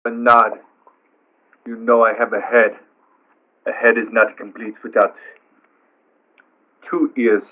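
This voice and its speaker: A solemn tree man of the swamp, acted out by a man in a tabletop game. He speaks in formal, deliberate phrases with grave care, through a tinny, narrow phone filter. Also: mid-range voice, level tone. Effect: phone or radio filter.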